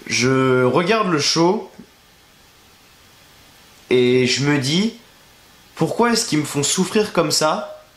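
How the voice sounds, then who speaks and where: A young man sick with the flu, congested and tired, rants crudely and sarcastically at the camera during a wrestling review. He speaks slowly and expressively in a fairly high voice with long pauses, recorded in a roomy-sounding bedroom at home.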